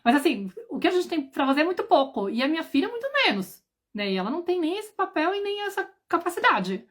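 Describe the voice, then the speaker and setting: A woman's voice: sits high, very animated, fast talker. A woman in her thirties or forties, a parenting mentor hosting a livestream, telling stories chattily with many asides. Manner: chatty storytelling, many asides and tag questions. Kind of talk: casual livestream talk.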